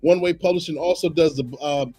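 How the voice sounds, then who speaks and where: A man hosting a live-streamed podcast, hoarse from a cold, talking in a chatty way that repeats itself, with coughs and apologies. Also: a little high, fairly even intonation, fairly quick, dark tone. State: hoarse, getting over a cold. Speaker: podcast host.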